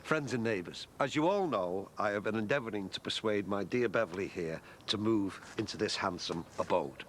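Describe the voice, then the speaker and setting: A man's voice: on the low side, moderate pace, slight background noise, natural voice. An actor playing a bluff, eager middle-aged man in a TV soap. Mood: showy. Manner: chatty, jokey, wordy mock-formal speeches. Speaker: neighbour courting his partner. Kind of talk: TV soap acting.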